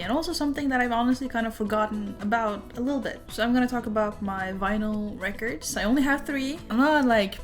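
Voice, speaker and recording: A young native Norwegian speaker with a Norwegian accent chats casually in a show-and-tell vlog. She rambles with many fillers in a medium-pitched voice.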